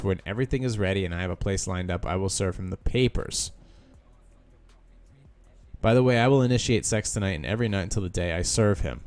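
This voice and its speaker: A man reads someone's post out loud on his podcast. He stops often to add sarcastic remarks of his own. It sounds like a relaxed, talky solo show. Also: on the low side. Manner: sarcastic asides between read lines. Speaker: podcast host. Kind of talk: reading a post aloud with commentary.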